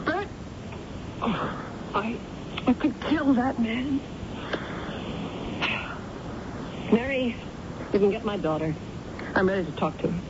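A woman's voice: unhurried, long pauses, natural voice. Domineering middle-aged American businesswoman, acted by a woman, muffled radio. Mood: shaken. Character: domineering, wounded businesswoman and controlling mother. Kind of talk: 1970s radio drama acting. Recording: muffled, noisy, rumbly old radio broadcast recording.

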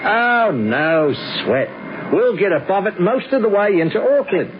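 Jaunty, higher-voiced co-pilot, animated. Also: male voice, measured pace. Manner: chummy, easygoing, wisecracking. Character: jaunty, joking airline co-pilot. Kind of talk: 1970s radio drama acting. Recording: muffled old radio broadcast, loud cabin noise.

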